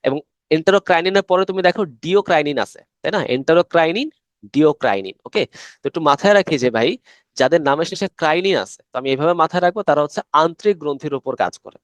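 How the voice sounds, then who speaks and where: A young man teaches biology in a rapid, talkative way and keeps posing questions that he answers himself. His voice sits a little high. The recording is dry and close, with no room sound. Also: no echo. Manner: chatty, asks questions and answers them himself; mixes English terms into Bangla speech. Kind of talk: recorded online lecture.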